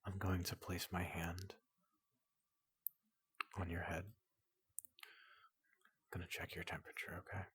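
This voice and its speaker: A man voicing a tall, gentle robot doctor in soft ASMR roleplay, hesitant and politely clinical, often slipping into a whisper, close to the microphone. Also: low voice, monotone, unhurried, pauses often, dry recording, heavily acted. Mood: calmly clinical. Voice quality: breathy, gravelly, often dropping into whisper.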